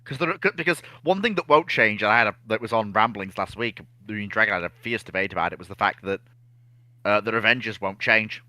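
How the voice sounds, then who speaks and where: A man in a casual history chat, explaining things in an animated, opinionated way. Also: fairly low pitch, fairly quick, no room sound. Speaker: naval history discussion panelist.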